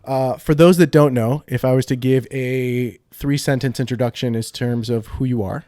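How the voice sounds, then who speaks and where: Relaxed man hosting a podcast, dry sound. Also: mid-range voice, moderate pace, dry recording. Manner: relaxed, joking banter with many fillers. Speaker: podcast host, physical therapist. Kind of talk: casual podcast interview.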